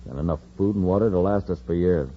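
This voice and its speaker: A man's voice: low voice, fast, close to an everyday voice. An actor playing a sneering, gloating villain's henchman in an old radio drama. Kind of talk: 1950s radio drama acting. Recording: dull old radio recording with faint hiss.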